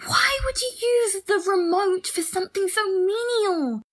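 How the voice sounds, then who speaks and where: A woman's voice: very high-pitched, a little slow, a bit bright. A woman playing a stern, bossy, condescending young twin sister in an audio drama. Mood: exasperated.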